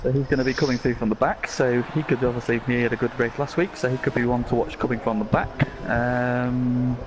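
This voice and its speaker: Male guest pundit, friendly chatter, mid pitch, background noise. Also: flat delivery, fairly quick. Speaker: guest commentator. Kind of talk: casual race-preview commentary.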